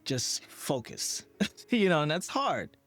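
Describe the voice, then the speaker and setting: A man's voice: fairly high pitch, big pitch swings, slow pace, a bit bright, faint music behind. A man hosting a podcast interview in a conversational, affirming and reflective way.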